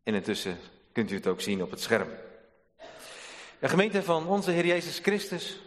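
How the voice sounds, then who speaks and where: A man's voice: on the high side, big pitch swings. Man preaching in a reverberant church. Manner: deliberate, repeats key phrases for emphasis. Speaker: pastor. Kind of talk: sermon. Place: church sanctuary. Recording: long church hall reverb.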